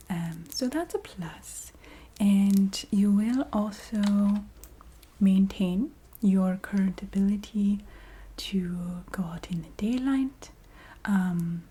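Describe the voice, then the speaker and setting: A woman voicing a chatty, businesslike vampire recruiter in a soft whispered ASMR roleplay. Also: lowish voice, slightly rough, exaggerated voice. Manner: hesitant, matter-of-fact, checking in with the listener.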